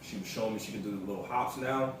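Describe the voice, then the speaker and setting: A man's voice: lowish voice, quick pace. An American man chatting casually on a vlog, slangy and repetitive as he tells stories. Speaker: vlog co-host, the vlogger's partner. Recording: roomy echo, distant mic, noisy background.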